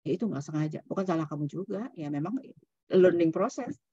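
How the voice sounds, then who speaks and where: A woman psychologist lectures an online seminar over a video call in a low-pitched, dark-toned voice with a breathy edge, lively intonation and a brisk pace. Her manner is casual and conversational, with English terms and frequent "gitu ya" tags, and the recording is dry and lo-fi.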